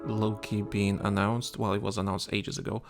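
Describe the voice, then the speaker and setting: A man's voice: on the low side, flat delivery, moderate pace, gravelly, over loud music. A tired man co-hosting a casual gaming chat show, rambling with many restarts and fillers. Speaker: podcast co-host.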